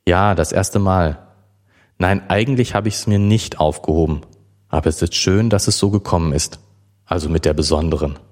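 A man's voice: low voice, moderate pace, darkish tone, pitched below the performer's own voice, lightly acted. A man reading a shy teenage boy. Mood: halting. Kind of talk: audiobook reading.

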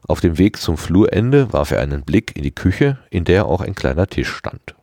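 A man reading a story aloud in an expressive manner, giving each character a voice. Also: low voice, normal speed, dry recording, clean studio sound. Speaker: audiobook reader.

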